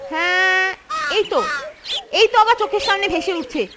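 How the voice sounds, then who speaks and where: A woman's voice: very high-pitched, normal speed, noisy background. A woman voicing an earnest, wide-eyed little schoolboy in a children's cartoon, eager and emphatic. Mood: excited. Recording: music behind the voice.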